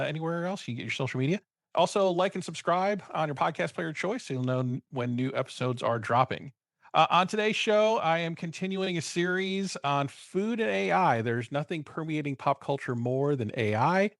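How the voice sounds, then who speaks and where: A man's voice: fairly high pitch, creaky, dry recording. Male podcast host, casual and hesitant, dry close-mic sound. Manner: loose, halting, lots of restarts. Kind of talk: podcast interview hosting.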